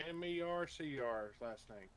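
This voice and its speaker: A man's voice: mid-range voice, animated, normal speed. A man speaking casually in character in an online roleplay game, with a folksy, helpful way of talking. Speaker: roleplay gamer playing a survivor. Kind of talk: improvised in-character casual chat. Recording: noisy game voice chat.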